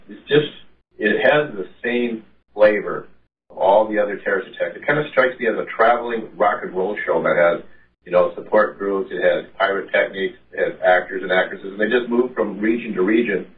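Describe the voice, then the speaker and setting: A deep-voiced man calls in to a radio talk show from a speakerphone. The line is thin and tinny with no bass, and he sounds set back from the microphone. He chats and asks questions in a casual way. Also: distant mic. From Arizona. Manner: chatty and questioning. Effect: thin, bass-less speakerphone sound. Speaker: caller. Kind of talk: casual call-in chat.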